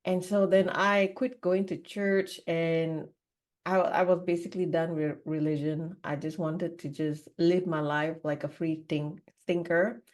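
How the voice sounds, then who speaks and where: A woman's voice: on the low side, fairly even intonation, unhurried, a little mellow. A woman from Singapore, a podcast guest, telling her life story candidly in a rambling, conversational way. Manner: candid, rambling, frequent "you know" and "like". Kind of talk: personal storytelling in a podcast interview.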